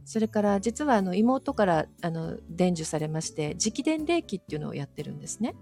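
A woman with a soothing voice, chatting as an interview guest in a gentle, polite and hesitant manner. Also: lowish voice, sing-song, brisk, faint music behind. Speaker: interview guest, audio streamer. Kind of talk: casual interview chat.

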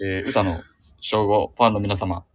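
A man's voice: fairly low pitch, steady tone, normal speed. A man chatting casually as a show guest, with polite, deferential junior speech. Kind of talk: casual chat.

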